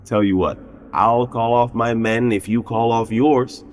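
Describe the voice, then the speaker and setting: An actor in an audio drama playing a vain, flirtatious gypsy gang leader, suave and taunting. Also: male voice, medium pitch, fairly even intonation, measured pace, close to an everyday voice. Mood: suave bargaining. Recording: long hall reverb, music behind.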